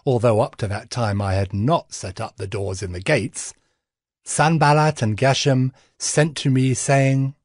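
A man playing a righteous governor narrating his deeds in a dramatized scripture reading, measured and earnest. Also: medium pitch, no room sound, clean studio sound, close to an everyday voice. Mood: earnest, resolute. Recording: music bed behind the voice.

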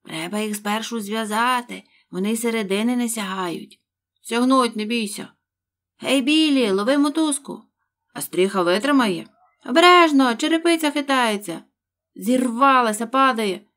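Woman voicing rowdy shouting workmen. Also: fairly high pitch, lively intonation. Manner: loud, hurried calls.

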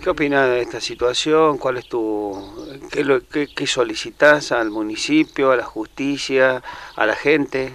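A man's voice: mid-range voice, a little slow, a bit bright, a little hiss or hum. A male reporter asking short, somewhat hesitant questions in a news interview. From Argentina.

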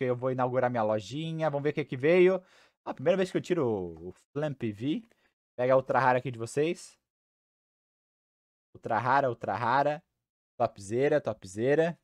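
A young man from Brazil hosting a card-opening video at home, talking casually through a headset while his voice is going hoarse. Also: medium pitch, no room sound, studio quality. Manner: chatty, excitable, repeats himself. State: losing his voice. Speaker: card-opening channel host. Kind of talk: casual unboxing chat. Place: small room at home, indoors.

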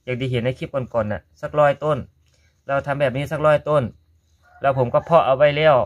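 A chatty man with a Korat Thai accent talks viewers through his gardening in a relaxed how-to vlog. He keeps addressing them as brothers and sisters, and his voice sits at an ordinary middle pitch. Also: a little fast. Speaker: gardening vlogger.

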